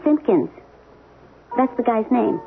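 A woman's voice: fairly high pitch, lively intonation, takes it slowly, creaky, faint music behind, heavily acted. An actress playing a plain-spoken, wry middle-aged wife, once a chorus girl, in a radio drama. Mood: matter-of-fact. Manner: blunt, wry, colloquial. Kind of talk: 1970s radio drama acting. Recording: tinny, narrow-band old radio broadcast.

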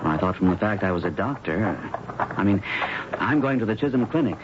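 Man acting earnest young doctor, lowish voice, hesitant, bumbling, friendly, 1970s radio drama, noisy recording. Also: animated, brisk, highs cut off, natural voice. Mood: awkward, eager.

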